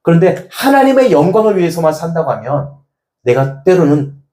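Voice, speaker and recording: Animated preaching man in an echoey hall. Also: a little high, normal speed. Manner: animated, folksy preaching with playful laughs and acted-out examples. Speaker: pastor. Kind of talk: sermon. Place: church hall.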